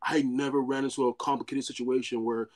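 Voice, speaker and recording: A man's voice: medium pitch, flat delivery, brisk. A young man with a Nigerian accent, debating over a video call from a small room. He talks in bursts, repeats himself and stumbles over words. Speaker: debate guest. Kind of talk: heated casual debate. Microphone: webcam on a video call.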